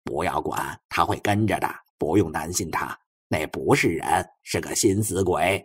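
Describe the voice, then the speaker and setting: Guy doing a grumpy talking cat for an audiobook, bossy and brusque, husky low voice. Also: normal speed, no room sound, studio quality. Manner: curt, commanding.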